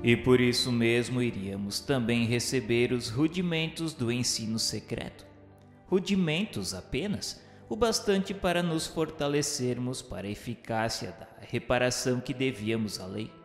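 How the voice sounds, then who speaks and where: A man's voice: medium pitch, normal speed, close to an everyday voice. Man as a solemn, echoing radio-novel narrator. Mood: solemn, exhortatory. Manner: grandiloquent, solemn, oratorical. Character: solemn, reverent male memoirist, a repentant soul recalling the afterlife. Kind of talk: dramatic scripted literary narration. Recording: very reverberant hall sound with music.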